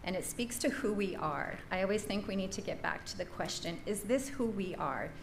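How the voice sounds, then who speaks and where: A woman giving an earnest, measured public comment at a school board meeting. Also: medium pitch, lively intonation. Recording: roomy echo, faint noise.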